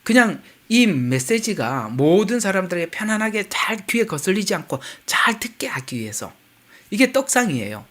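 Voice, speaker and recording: An older man with a Gyeongsang Korean accent preaches from the pulpit. His voice sits a little high for a man. He talks to the congregation casually, with laughing asides. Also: sing-song, moderate pace, fairly bright tone. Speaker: pastor. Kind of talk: sermon.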